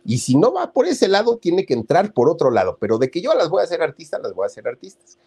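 An eager middle-aged mother with a Mexican accent, pushing her case in a higher, pleading voice, as a male storyteller puts her on. Her tone is dark and mellow, and she keeps insisting without pause. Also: huge pitch swings, slightly rough, exaggerated voice. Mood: determined.

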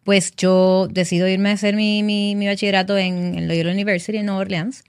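A woman's voice: mid-range voice, little pitch movement, brisk, clear, resonant tone, dry recording, studio quality. A woman from Puerto Rico with a Puerto Rican Spanish accent, talking as a lawyer in an interview in a chatty way, slipping English words into her Spanish. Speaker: criminal defense lawyer. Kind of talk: interview guest, casual conversation.

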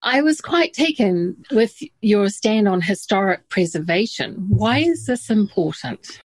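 A woman's voice: medium pitch, lively intonation, a little slow, dry recording. A middle-aged woman from New Zealand hosting an interview, chatty and enthusiastic. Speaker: interview host. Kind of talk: conversational interview.

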